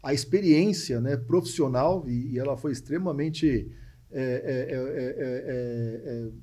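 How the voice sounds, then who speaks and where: A man's voice: medium pitch, measured pace, dark tone. A man in his forties with a São Paulo coast Brazilian accent, telling personal stories conversationally, repeating words for emphasis and often tagging phrases for agreement. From Santos, coastal São Paulo, Brazil. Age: 40s. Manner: emphatic repetitions and frequent tag questions seeking agreement. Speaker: podcast guest, entrepreneur and speaker.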